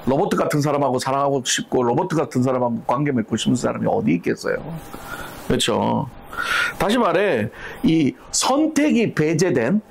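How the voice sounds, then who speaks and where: Animated man teaching Bible study. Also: mid-range voice. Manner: animated, asks rhetorical questions, acts out examples. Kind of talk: church Bible study lesson.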